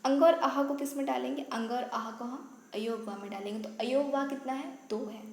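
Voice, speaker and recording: A woman with a slightly high voice teaches a basic grammar lesson for competitive exams, explaining point by point and checking in often. She admits her pronunciation may slip. The sound is roomy and echoey, with faint noise behind her. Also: normal speed, creaky. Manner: explains step by step with frequent checks like "ठीक है"; apologizes for her own imperfect pronunciation. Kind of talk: online exam-prep lesson.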